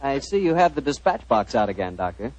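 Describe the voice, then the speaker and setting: A man working as a radio announcer and host, with a smooth, persuasive pitchman manner, in 1940s style. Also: sing-song, a little fast, darkish tone. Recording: muffled old radio broadcast.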